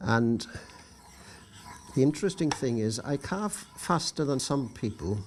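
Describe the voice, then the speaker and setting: A man's lively intonation carries his fairly slow speech. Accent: Welsh. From Wales. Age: 70s. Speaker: stone carver. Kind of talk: instructional explanation while working. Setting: workshop. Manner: calm, gentle.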